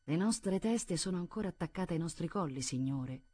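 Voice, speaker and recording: A woman reading the part of a stern, dignified old man who speaks calmly and gravely, with a husky voice. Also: lowish voice, moderate pace, no room sound. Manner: calm and grave. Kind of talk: audiobook reading.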